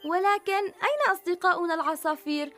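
A thoughtful young girl who leads her friends in a children's story, voiced by a woman. She speaks in a high, considerate voice that offers suggestions, with faint music behind her. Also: lively intonation, brisk, a bit bright.

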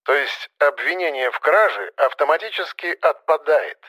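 A man voicing a calm, authoritative man speaking over a phone line, cool and measured, in an audiobook. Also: on the high side, husky, exaggerated voice. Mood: stern.

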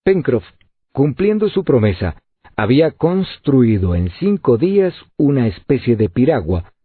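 A man reading a novel aloud as an audiobook narrator, in an expressive way. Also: medium pitch, unhurried, husky, dry recording. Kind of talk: scripted narration. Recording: tinny phone-like lo-fi audio.

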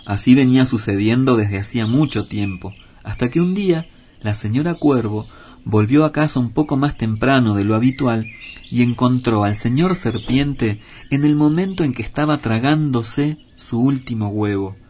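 A man reading a children's story aloud in a measured, expressive way. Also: medium pitch. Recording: dull lo-fi with faint hiss.

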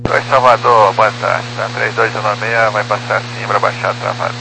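A man's voice: lowish voice, steady tone, moderate pace, vocal fry. Man making brief calls on noisy radio. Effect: aviation radio. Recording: noisy humming aircraft radio transmission.

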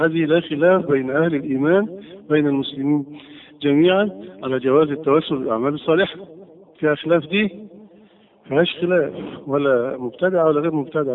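An Egyptian man teaching a religious lesson, quizzing his class with repeated questions. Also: on the high side. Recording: tinny lo-fi lecture recording.

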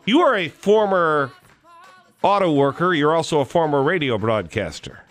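A man's voice: a little high, sing-song, moderate pace, fairly bright tone, faint music behind. A man hosting a radio talk show, interviewing a guest with wry, joking asides.

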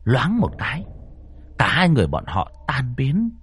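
A man narrating a ghost story in a dramatic, expressive way. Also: mid-range voice, moderate pace, breathy edge.

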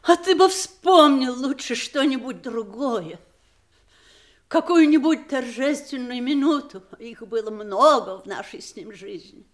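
A woman's voice: sits high, animated, a little slow. An actress playing an imperious, bitter widowed mother who scorns her grown children, theatrical and cutting in an audio stage drama. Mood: scornful reproach.

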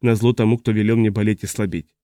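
A man reading the part of a confused, agitated man who has lost his memory, in a fretful, halting way. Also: lowish voice, flat delivery, warm tone, clean tone, dry recording, studio quality, lightly acted. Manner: fretful, halting, trailing off mid-sentence. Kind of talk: audiobook character reading.

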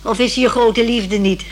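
A woman's voice: a little high, takes it slowly. A woman playing a chatty, old-fashioned older lady in a radio play, rambling hesitantly and romantically about young people. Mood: wistful, romantic. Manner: hesitant, rambling, sighing over modern youth. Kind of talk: naturalistic radio play dialogue.

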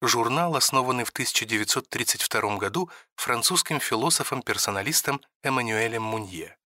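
Man narrating a novel with lively intonation. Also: mid-range voice, brisk, no echo, clean studio sound. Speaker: audiobook narrator. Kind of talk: literary audiobook narration.

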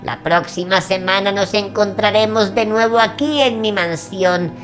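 A woman's voice: mid-range voice, measured pace, faint music behind, close to an everyday voice. A woman voicing a creepy, grumpy old male horror host who speaks in grandiloquent, theatrical phrases to listeners. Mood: sly, ominous. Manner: grandiloquent, mock-grumbling, addressing listeners as creatures. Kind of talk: theatrical horror anthology hosting.

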